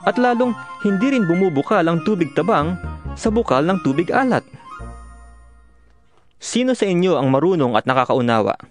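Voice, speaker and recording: A man gives an earnest, emphatic dramatized scripture reading, exhorting his listeners as a solemn narrator. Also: fairly high pitch. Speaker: narrator of a dramatized audio Bible. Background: music behind the voice.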